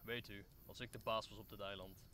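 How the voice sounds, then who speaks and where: A man's voice: fairly low pitch, fairly even intonation, a little fast, bright, forceful tone, a little hiss or hum. A man playing a talkative, optimistic old counsellor who speaks formally in an audio drama. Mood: idealistic, declaiming. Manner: formal, speechifying. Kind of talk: Dutch audio drama acting of Shakespeare.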